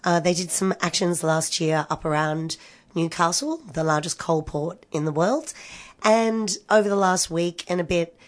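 Woman radio host, voice going, gravelly and husky, low and loose, lots of ums. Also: fairly even intonation, normal speed. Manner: casual, with fillers and restarts. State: hoarse, losing her voice. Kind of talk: community radio chat.

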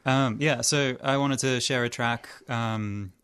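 A man from Armenia, a musician guest on a community radio show, speaking hesitantly and thoughtfully with many pauses. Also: medium pitch, steady tone, fairly bright tone, clean tone. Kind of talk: casual radio interview.

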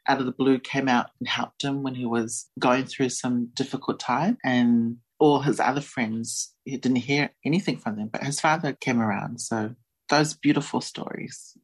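A woman's voice: rumbling low, rough recording. A woman who grew up in Australia, answering conversationally as an interview guest. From born in New Zealand, grew up in Australia. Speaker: interview guest, series host.

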